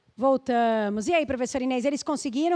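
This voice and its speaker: A woman with a high pitch speaks in an animated tone, her pitch varying in an ordinary way. The sound is dry and close with no echo, over a quiet background. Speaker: math teacher. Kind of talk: online class lecture.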